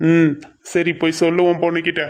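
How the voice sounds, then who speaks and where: A man voicing a gruff, stubborn middle-aged husband and father who speaks curtly. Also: a little high, monotone, a little fast, close to an everyday voice. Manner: gruff, curt. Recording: soft music underneath.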